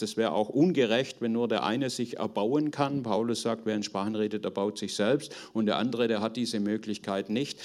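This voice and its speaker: Middle-aged man preaching informally. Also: mid-range voice. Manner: earnest, conversational, halting search for words. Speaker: preacher teaching on spiritual gifts. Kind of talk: informal sermon teaching to a group.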